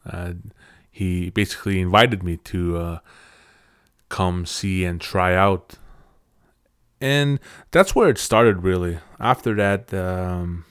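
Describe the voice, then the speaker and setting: A man in his thirties whose first language is Cree, hosting a podcast and telling a personal story in a casual, halting way, often restarting his phrases. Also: low-pitched, fairly bright tone, clear, resonant tone, no room sound, clean studio sound. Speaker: podcast host.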